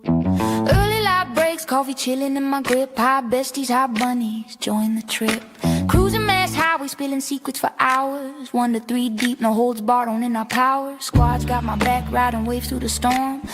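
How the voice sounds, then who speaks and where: A woman's voice: sits high, sing-song, a little slow, over music. A woman singing a bouncy pop show theme with catchy chanted hooks. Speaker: theme song singer. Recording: sung over loud pop backing track.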